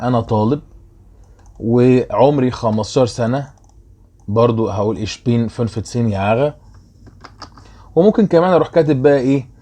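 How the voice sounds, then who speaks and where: A man's voice: medium pitch, dark tone. A young man with an Egyptian Arabic accent, explaining a worksheet as a German teacher in a chatty way and often checking that students follow.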